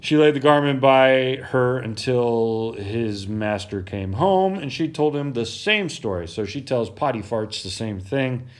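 A man with a voice of middling pitch, casually hosting a podcast about the Bible. He talks in a loose, chatty way and laughs easily. He sometimes trips over hard names as he reads them aloud. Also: lively intonation, unhurried, hardly any pauses. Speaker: podcast host.

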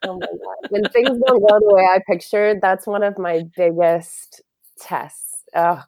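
A woman's voice: medium pitch, steady tone, measured pace, darkish tone, no echo. A woman who is a guest yoga teacher, speaking candidly and bluntly in a casual conversation. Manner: candid, blunt, lots of fillers.

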